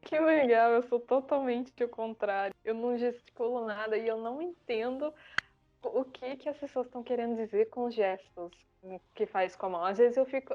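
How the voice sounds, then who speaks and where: A Brazilian woman chatting casually on a podcast, laughing between thoughts. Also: a little high. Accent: Brazilian Portuguese. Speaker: podcast panelist. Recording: dull lo-fi audio.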